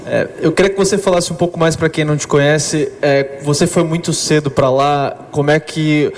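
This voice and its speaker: A man's voice: fairly high pitch, steady tone, normal speed, a little hiss or hum. A male TV journalist from Brazil asking an informal, friendly question. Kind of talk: press conference question.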